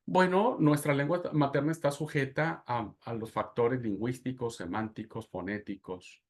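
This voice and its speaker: A man from Mexico with a Mexican Spanish accent, teaching a Bible class and telling anecdotes in a lively lecture manner. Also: mid-range voice. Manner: animated storytelling with laughs and asides.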